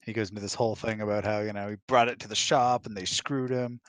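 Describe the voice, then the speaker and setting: A man's voice: fairly low pitch, fairly even intonation, fast, no room sound. A man talking casually as a guest, answering questions in a conversational way. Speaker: guest answering questions alongside his wife. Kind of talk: casual chat.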